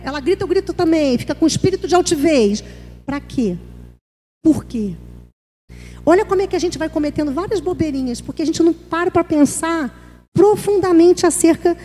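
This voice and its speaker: A woman's voice: extremely high pitch, animated, moderate pace, mellow, a little hiss or hum. A woman pastor, giving a conversational church workshop talk and acting out little everyday dialogues. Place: church hall. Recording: long reverb of a church hall.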